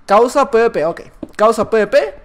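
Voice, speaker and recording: Mexican male gamer, loud and shouty, pitch jumping all over, casual commentary. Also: expressive, normal speed. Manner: loud, shouting and laughing often. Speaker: gaming YouTuber.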